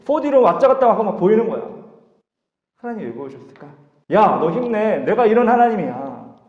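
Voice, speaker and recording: A man preaching a sermon to a youth service, lively and acting out voices in dialogue. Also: high voice, a little fast. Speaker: youth pastor. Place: church sanctuary. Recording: echoey hall, dull lo-fi sound.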